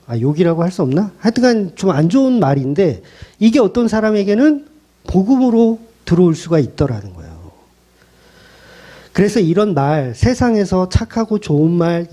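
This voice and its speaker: A man's voice: sits high, very animated, normal speed, dark tone. A male pastor preaching a sermon in a blunt, colloquial way, pressing the congregation with rhetorical questions.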